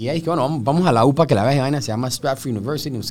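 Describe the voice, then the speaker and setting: With lively intonation, a man of medium pitch speaks in a dark, mellow tone. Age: 40s. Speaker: chef and restaurateur. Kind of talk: casual chat.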